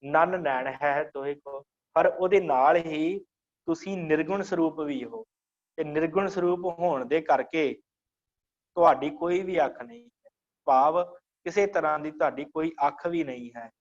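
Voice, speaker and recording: A man with a slightly high voice leads a scripture lesson. He chants each verse line slowly, then patiently breaks it down word by word. The audio is dull and lo-fi, like an online class. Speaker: scripture teacher.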